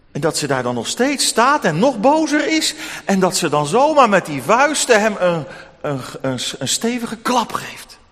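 Animated man telling a Bible story to children. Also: a little high. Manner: animated, expressive retelling. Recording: long hall reverb.

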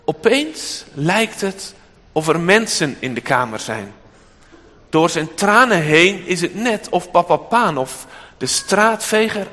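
A man reading a storybook aloud as narrator, calm and expressive. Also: a little high, big-room sound.

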